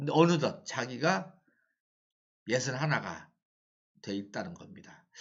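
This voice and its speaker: This man talks at a very slow pace with lively intonation. Vocal fry runs through his voice. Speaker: YouTuber. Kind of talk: news commentary. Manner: casual, halting with fillers.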